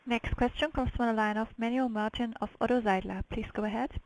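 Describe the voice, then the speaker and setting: A woman's voice: on the high side, steady tone, a little fast, a little mellow, dry recording, low-quality recording. A woman working as a conference call operator, reading short scripted announcements of the next caller.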